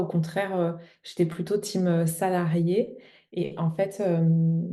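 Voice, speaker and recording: A dark, mellow tone in a monotone, flat delivery at a fairly slow pace. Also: woman. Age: 30s. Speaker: coach. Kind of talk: casual podcast chat.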